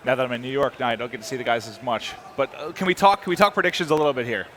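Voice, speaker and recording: A man talking very quickly in a bright, forward voice, filling downtime between matches. His chat is loose and chatty, and he keeps stopping to correct himself mid-sentence. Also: medium pitch. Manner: fast, chatty, self-correcting. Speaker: esports commentator.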